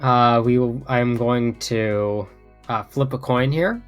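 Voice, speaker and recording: A man hosts a casual debate as its self-styled impartial judge, speaking in a slow, drawn-out, mock-formal announcer manner. His pitch sits mid-range, and faint music plays beneath him. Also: clear, resonant tone. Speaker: debate moderator. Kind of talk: casual podcast moderating.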